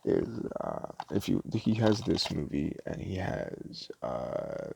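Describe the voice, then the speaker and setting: Male ASMR roleplayer as a shop clerk, bottom-of-the-range gravelly voice, rambling casual recommendations with hesitant phrasing. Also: wildly swooping pitch, background noise. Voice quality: very deep, gravelly, creaky. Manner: rambling, halting, trails off mid-sentence. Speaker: ASMR roleplay creator playing a video store clerk.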